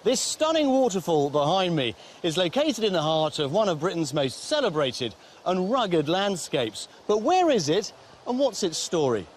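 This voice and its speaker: A man's voice: high voice, sing-song, moderate pace, slight background noise. A man presenting a TV property show, delivering scripted narration in an upbeat way.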